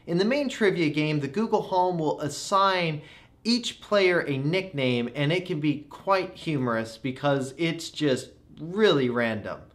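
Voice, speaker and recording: A young man in his twenties narrating a scripted tech review with a clear, instructional delivery. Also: fairly high pitch, animated, measured pace. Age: 20s. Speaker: tech reviewer, video host.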